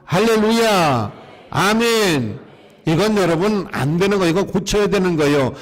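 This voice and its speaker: A male pastor preaches to his congregation in a high voice. He keeps asking them questions and having them repeat his lines back to him. The sound rings with the long reverb of a church sanctuary. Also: animated, a little slow. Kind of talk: sermon.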